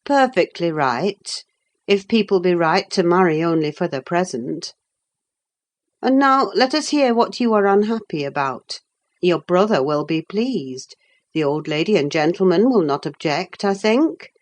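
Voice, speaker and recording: A woman reading a sensible, plain-spoken housekeeper in an audiobook, with a steady, reasoning manner. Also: fairly low pitch, unhurried.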